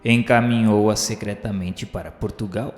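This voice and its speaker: A man delivers scripted dramatic narration for a radio serial in a solemn, formal, deliberate manner with emphatic enunciation. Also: on the low side, fairly even intonation. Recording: echoey hall reverb, music behind.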